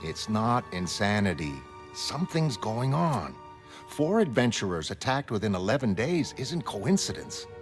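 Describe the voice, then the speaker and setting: Earnest bookish ex-hero, middle-aged, urgent, music behind. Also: male voice, mid-range voice.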